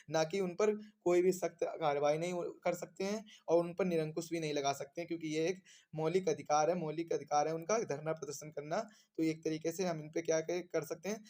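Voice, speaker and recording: A man with a slightly high voice gives an explanatory exam lesson. He reads out questions, repeats key phrases for emphasis and then supplies the answers himself, like a coaching instructor. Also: darkish tone.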